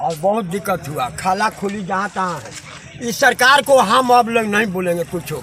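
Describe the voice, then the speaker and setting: Over background music, a man with a high pitch uses a raised, projected voice and lively intonation. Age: 70s. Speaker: local villager. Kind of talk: street interview.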